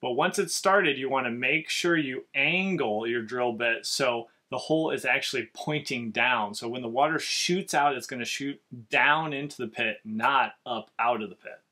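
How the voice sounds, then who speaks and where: A man in his thirties walks through a home repair job step by step, in a clear and practical way. His voice is bright and forceful, sitting at an ordinary pitch for a man. He is recorded close to the camera in a basement. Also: normal speed, few pauses. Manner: clear, methodical, practical explaining. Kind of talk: step-by-step how-to explanation. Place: basement with concrete walls.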